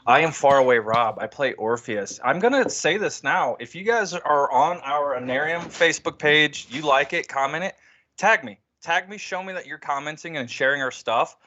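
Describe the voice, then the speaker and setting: A man's voice: on the high side, expressive, normal speed, sharp tone. A man chatting casually as a player on a podcast, recorded on a slightly lo-fi mic. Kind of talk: casual chat.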